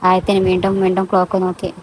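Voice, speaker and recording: A woman narrating a romantic audio story with a calm, measured delivery. Her voice sits low and stays very level throughout. A faint background hiss runs under the reading. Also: rough recording.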